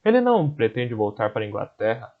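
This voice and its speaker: A man's voice: medium pitch, very animated, narrow, tinny audio. A man doing a courteous, clever magician. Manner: polite, measured.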